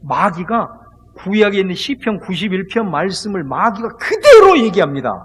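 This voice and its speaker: Male pastor, high lively voice, husky edge, emphatic sermon delivery; recorded in a long-reverb hall. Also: moderate pace. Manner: emphatic preaching, leads the congregation in call-and-response repetition; swings between loud exclamations and hushed asides.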